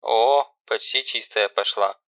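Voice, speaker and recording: A bossy older sister barks orders and snaps sarcastically, as a man reads her. The voice is low, gravelly and forceful, and the dull lo-fi recording sounds dry. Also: takes it slowly, no room sound. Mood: harsh commanding. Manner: harsh, commanding, sarcastic.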